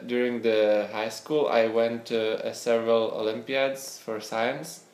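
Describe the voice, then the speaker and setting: Flat-voiced man from Lithuania, hesitant. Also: mid-range voice. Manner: hesitant, repeats words while searching for them. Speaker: interview guest, scientist and startup founder. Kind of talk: casual interview answers. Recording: echoey room.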